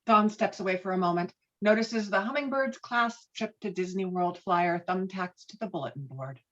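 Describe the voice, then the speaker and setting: A woman's voice: mid-range voice, normal speed, lo-fi sound. A woman reading screenplay stage directions as scripted narration, on video-call audio.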